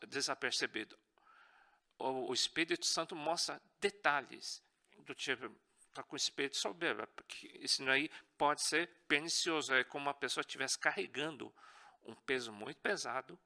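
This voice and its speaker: A man's voice: medium pitch, bright, forceful tone. A man with a Brazilian Portuguese accent teaching a church course in an earnest tone, often checking in with his class.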